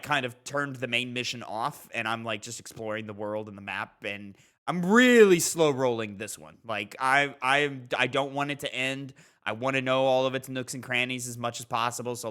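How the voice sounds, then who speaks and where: A man co-hosting a gaming podcast, chatting casually and telling things in an animated way. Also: mid-range voice, clean tone. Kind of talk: casual chat.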